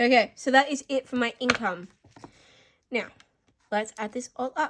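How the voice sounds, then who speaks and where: A woman speaks at a moderate pace with a high pitch, ordinary pitch variation and an Australian accent. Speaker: budgeting vlogger. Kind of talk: casual budgeting tutorial.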